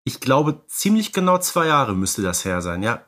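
A man's voice: mid-range voice, sing-song, normal speed, a bit bright. Easygoing middle-aged man chatting. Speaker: podcast co-host. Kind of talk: casual conversational podcast chat.

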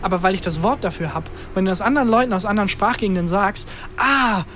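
Young male bilingual Turkish-German podcast co-host, high voice, stumbling casual delivery, faint noise behind. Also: a bit bright. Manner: halting, often stumbles over words. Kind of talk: casual comedic chat.

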